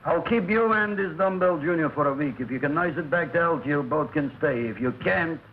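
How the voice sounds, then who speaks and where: Brief: man as gruff penny-pinching shopkeeper, muffled old film, light hiss. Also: fairly high pitch, a little fast, natural voice. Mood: grumpy. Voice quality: gruff, excitable, stammering. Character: grumpy stingy older shop owner. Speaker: flower shop owner.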